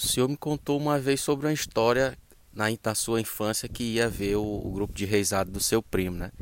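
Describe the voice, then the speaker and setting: Using an ordinary speaking voice, a man talks at a moderate pace and medium pitch with ordinary pitch variation. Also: very clean recording, silent background. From Brazil, Maranhão (Caxias). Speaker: folk dance performer and interviewer. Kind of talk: interview.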